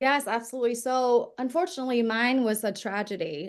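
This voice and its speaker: A woman with a Vietnamese accent at a fairly quick pace over a quiet background. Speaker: performance coach. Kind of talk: interview.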